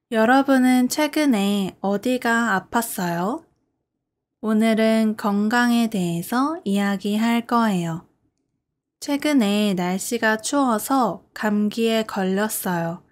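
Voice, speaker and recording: A woman language teacher delivering a scripted beginner listening lesson in short, simple, carefully separated sentences. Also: fairly high pitch. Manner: careful, simple phrasing with clear sentence breaks.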